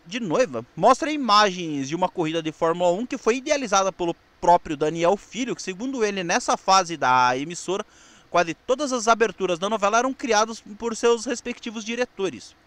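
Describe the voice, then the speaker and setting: Male presenter, Brazilian accent, high voice with very varied intonation, informational delivery with casual asides. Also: expressive, fairly quick, a bit bright, no room sound. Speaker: presenter of a TV history programme.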